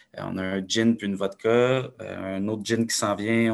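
This recording is very clean, set against a silent background. A man does the talking. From Quebec, Abitibi-Témiscamingue. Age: 20s. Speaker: distillery co-founder, entrepreneur. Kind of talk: casual interview.

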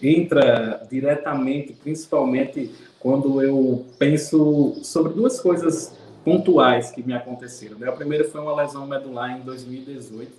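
A man's fairly high voice, fairly even intonation and fairly slow pace amid noticeable background noise. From Paraíba, Brazilian Northeast. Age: 30s. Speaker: psychologist and Paralympic shot-put athlete. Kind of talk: casual interview chat.

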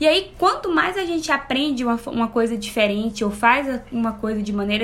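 High-pitched and quick-paced, a woman speaks at a fairly quick clip with lively intonation. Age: 30s. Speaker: podcast co-host, teacher. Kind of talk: casual educational chat.

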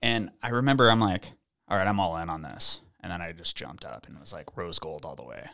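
Very deep and low yet bright and sharp in tone, a man's voice with vocal fry races at a very fast pace, lively in intonation and swinging widely in loudness. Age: 30s. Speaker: crypto investor. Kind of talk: casual chat.

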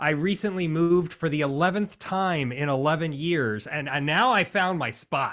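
In a plain, everyday voice, a man with a North American accent talks at a moderate pace with fairly high pitch, ordinary pitch variation and hardly any pauses. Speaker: speaker and business coach. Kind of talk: casual interview. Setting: remote call from New Zealand.

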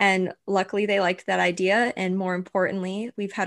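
A woman speaks in a flat monotone, recorded dry and close with no echo against a silent, very clean background. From Vermont, US. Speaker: folklore scholar and web series host. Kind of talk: podcast interview.

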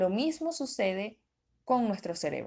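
Over a quiet background, a woman with a fairly high pitch and a dark, mellow tone swings her pitch very widely. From Venezuela. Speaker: psychologist. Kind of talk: prepared explanatory talk.

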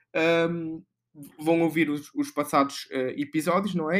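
Very clean recording with a silent background, fairly slow pace. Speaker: finance podcast host. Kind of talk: solo news roundup, casual. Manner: halting, many fillers and repetitions.

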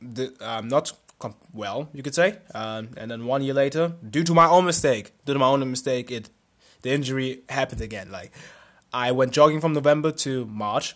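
On a very clean recording with a silent background, a man speaks at medium pitch with ordinary pitch variation and big swings in loudness. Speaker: podcast host. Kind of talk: casual solo monologue. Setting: at home. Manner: fast.

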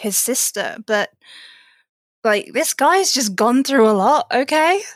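The speech comes at a fairly slow pace with a British accent. The sound is dry and close, with no echo. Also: woman. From UK. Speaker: gaming podcast host, guest. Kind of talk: casual chat.

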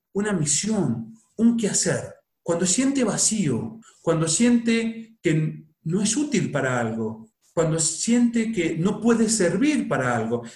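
A man's high-pitched voice with an Argentine accent, very wide pitch swings, and a very slow pace. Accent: Argentine Spanish (voseo). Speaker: psychologist. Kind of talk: interview.

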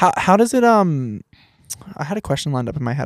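A man with an Australian accent, ordinary pitch variation and a fairly quick pace. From New South Wales, Australia. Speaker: podcast host. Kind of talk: casual chat. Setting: studio.

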